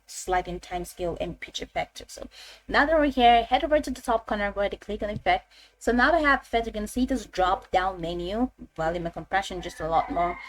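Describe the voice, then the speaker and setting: A woman's voice: mid-range voice, low-quality recording. Woman presenting a tutorial over background noise. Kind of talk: step-by-step screen tutorial narration.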